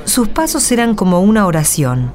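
A woman's voice: mid-range voice, very animated, normal speed, darkish tone. A woman narrating a radio play from a script.

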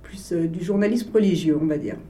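A woman's voice: on the low side, fairly quick, mellow. A woman with a Parisian French accent, answering conversationally as an interview guest. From Paris, France. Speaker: interview guest, health services executive.

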